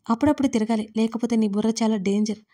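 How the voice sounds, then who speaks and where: A woman voicing a confident young man who teases his sweetheart calmly, in a Telugu audio story. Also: fairly high pitch, quick pace, distant mic, lightly acted. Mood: teasing.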